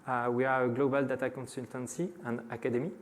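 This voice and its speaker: A middle-aged man from France with a French accent, giving a conference talk to a live audience and pausing often on filler sounds. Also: mid-range voice, level tone. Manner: frequent hesitations with many "uh" fillers. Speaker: conference speaker.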